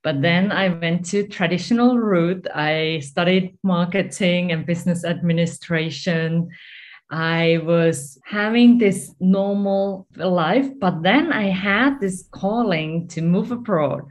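A woman's voice: fairly low pitch, takes it slowly. A middle-aged woman from Finland with a Finnish accent, telling her personal story earnestly as a podcast guest. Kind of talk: casual interview answers.

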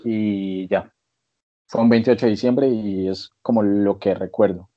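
A young Colombian man with a Colombian accent, a podcast co-host telling a casual story with lively quoted voices. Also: fairly low pitch, normal speed, lo-fi sound. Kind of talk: casual chat.

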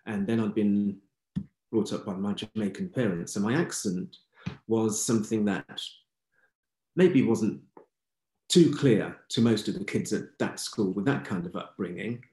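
A well-spoken English man in his sixties, his voice sitting on the low side. He tells his own story plainly and candidly at a measured pace. The sound carries noticeable room echo. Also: dark tone. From England. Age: 60s. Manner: measured, candid, matter-of-fact. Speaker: interview guest. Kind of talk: reflective life-story telling.

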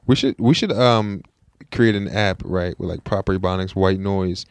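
A man's voice: low-pitched, normal speed, clear, resonant tone, no echo. A young man co-hosting a podcast, chatting casually with loose slang and frequent laughs. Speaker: podcast co-host.

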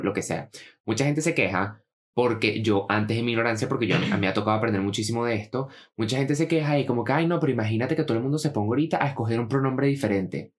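A man chatting casually as a podcast co-host, explaining things patiently and emphatically. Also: fairly low pitch. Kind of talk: casual chat.

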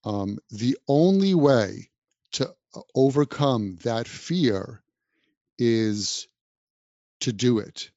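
Very slow with long pauses, a warm, expressive mid-range male voice delivers encouraging podcast advice directly to the listener; he teaches English. The audio is echo-free, dull, dry and slightly lo-fi.

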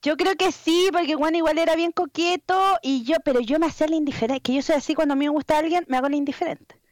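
A young woman with a Chilean accent and a high, bright-pitched voice tells stories in a casual chat. She is expressive and slangy, and she acts out what others said. The sound is dry and close to the mic. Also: fast talker, no room sound. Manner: expressive, slangy storyteller who acts out quotes.

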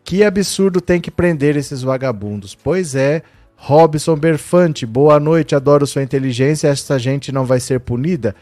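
Middle-aged male live-stream host, indignant, direct to viewers, higher-pitched voice, dry close sound. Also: moderate pace, darkish tone, dry recording, soft background music. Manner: indignant, talks straight to viewers. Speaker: live-stream political commentator. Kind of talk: casual live-stream commentary.

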